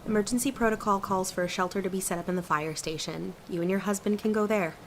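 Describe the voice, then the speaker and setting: A woman's voice: mid-range voice, fast talker, background noise, lightly acted. A woman playing a blunt, defiant young daughter of a mayor in an audio drama, curt and sardonic. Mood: cool, officious.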